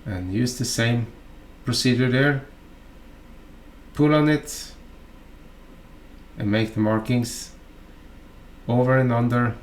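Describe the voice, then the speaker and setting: Speaking with a Norwegian accent, a man from Norway walks viewers through fly tying in a stop-start, conversational manner full of fillers and side remarks. His voice is mid-range.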